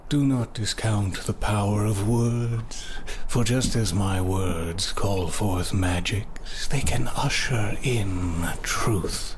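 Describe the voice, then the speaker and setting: A man's voice: lowish voice, slow pace, a little hiss or hum. A man playing a courtly, cryptic mystic prisoner in an improvised horror fantasy podcast, speaking in formal, ornate phrases with whispery moments. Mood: cryptic, persuasive. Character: caged male mystic prisoner, cryptic, courtly, quietly persuasive.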